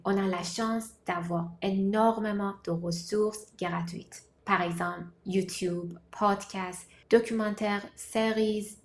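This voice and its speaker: A woman who learned French as a second language, giving a scripted, measured talk as a language-learning vlogger. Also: mid-range voice, vocal fry. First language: not French. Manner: measured, deliberate delivery in short listed phrases. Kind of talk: scripted explanatory monologue.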